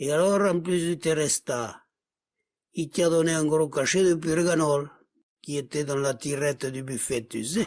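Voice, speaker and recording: This man's voice sits fairly high, with ordinary pitch variation. He speaks at a fairly slow pace. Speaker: storyteller. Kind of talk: comic anecdote told in regional French. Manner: casual, colloquial.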